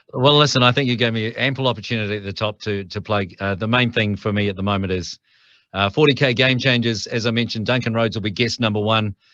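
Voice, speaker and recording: A man with a New Zealand accent, medium pitch, a bright, sharp tone, fairly even intonation and a very fast pace against a quiet background. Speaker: podcast guest, gaming podcaster. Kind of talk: casual chat.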